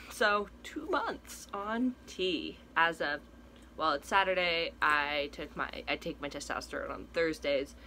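His voice sits on the high side, creaky and bright with a forceful tone, over a little hiss or hum. The speaker is a young trans man vlogging casually from a small room at home, rambling through his update with many fillers and restarts and the occasional crack in his voice.

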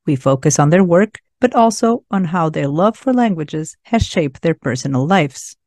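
Portuguese-accented woman host, lowish voice, friendly, headset mic. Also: lively intonation, moderate pace, darkish tone. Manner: friendly, laughs often. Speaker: podcast host. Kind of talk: casual interview. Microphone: headset with studio mic.

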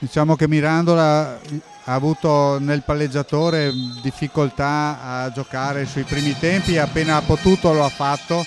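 Guy doing volleyball analysis, kinda high voice, explains each play, drumming behind him in the gym. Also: steady tone, normal speed, music in the background. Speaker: volleyball co-commentator giving technical analysis. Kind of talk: live sports commentary, analysing plays.

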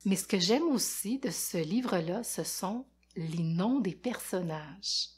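Québécoise woman reading slowly to children. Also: medium pitch, slightly rough. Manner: lively, rhythmic, asks children questions. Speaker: teacher and storyteller. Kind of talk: reading a picture book aloud to children.

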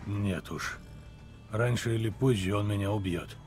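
Male actor as weary monster hunter, low pitch, terse, deadpan, dry, game dialogue, soft music behind. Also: measured pace, lightly acted. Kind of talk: video game dialogue acting.

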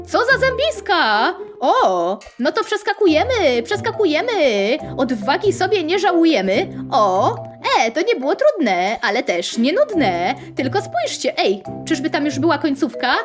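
A woman's voice: high voice, big pitch swings, a little slow. A young woman hosting a playful gaming let's-play, bubbly and sing-song, rhyming and squealing at mishaps, with game music underneath. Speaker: gaming channel host.

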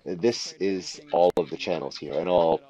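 A man with a low-pitched voice talks through a screen-recorded tutorial. He sounds unscripted and instructional, laying out each step deliberately as he goes. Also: warm tone, rough recording. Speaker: tutorial presenter. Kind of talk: unscripted step-by-step software walkthrough.

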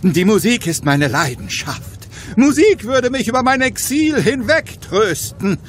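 A pompous, music-loving Roman general in a comic cartoon audio play. He speaks high with grand swoops, florid and theatrical, imperious and bored by his post. Faint noise sits behind him. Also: very animated, a little slow, fairly bright tone, exaggerated voice. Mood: languid, bored.

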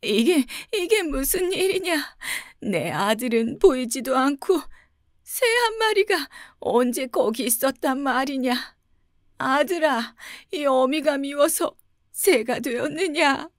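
A woman's voice: on the low side, very animated, a little slow, no echo, clean studio sound, pitched below the performer's own voice. A woman doing a stern old village mother. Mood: grieving. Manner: scolding and suspicious. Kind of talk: bedtime storybook reading.

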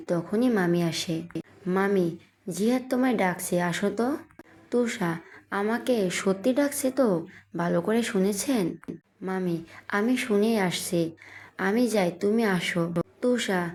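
A woman's voice: mid-range voice, darkish tone. A woman narrating a romantic audio story, reading each character's lines in her own voice after naming the speaker.

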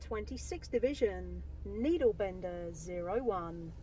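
A woman's voice: mid-range voice, lively intonation, unhurried, heavy background noise. An enthusiastic woman, making radio contact as a CB operator from inside a car. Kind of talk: radio contact chat with call signs.

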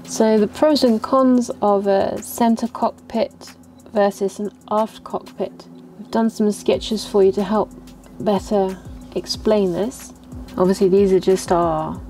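A young adult woman calmly explaining boat layouts in a measured voice-over, with some fillers. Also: mid-range voice.

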